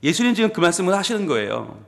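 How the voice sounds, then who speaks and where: A man, a pastor, preaching a sermon in an animated storytelling way, acting out the people in his stories and asking the congregation questions he answers himself. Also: high voice, racing, gravelly. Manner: animated storytelling, acts out quoted speakers. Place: church sanctuary. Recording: long hall reverb.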